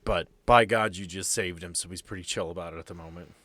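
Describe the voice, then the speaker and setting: A man's voice: low voice, quick pace, fairly bright tone, no room sound. A man narrating a tabletop role-playing game as game master in an improvised, conversational way. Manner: casual, conversational.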